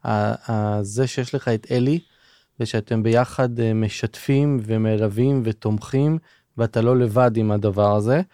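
A male host asks questions calmly and at a measured pace. His voice is mellow and clear. The recording sounds dry and close. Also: lowish voice, dry recording. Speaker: interviewer, podcast host. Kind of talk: interview questions.

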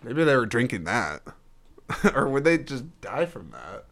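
Guy just chatting, kinda rambly, keeps restarting sentences, reads stuff off the web out loud. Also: medium pitch, big pitch swings, measured pace, crowd noise. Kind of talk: casual chat.

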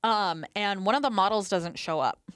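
Smooth-voiced woman casually recapping a show. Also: mid-range voice, normal speed, no room sound, studio quality. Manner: relaxed, recapping with frequent fillers. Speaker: podcast co-host.

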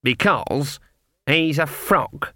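A man voicing a stubborn, plain-spoken old witch woman in an audiobook, deadpan and rustic. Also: fairly high pitch, very slow, dry recording, clean studio sound, heavily acted. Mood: blunt. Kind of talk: audiobook character acting.

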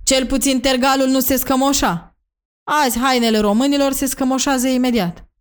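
A woman voicing an elderly retired woman, slow and emphatic as she exclaims. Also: high-pitched, fairly even intonation, clear, resonant tone, pitched above the performer's own voice, lightly acted. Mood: indignant.

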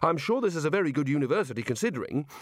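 A nervous, hapless wizard, performed by a male narrator talks defensively and with hesitation. The voice is pitched up and animated, suited to a comic fantasy audiobook's apologetic underdog. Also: rapid-fire, dry recording, studio quality.

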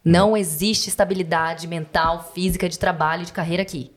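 A Brazilian woman with a Brazilian Portuguese accent, a podcast guest telling animated, profane stories and acting out quotes. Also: on the low side, a little fast. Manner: animated, profane storyteller who acts out quotes. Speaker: podcast guest, bank teller. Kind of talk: casual podcast chat.

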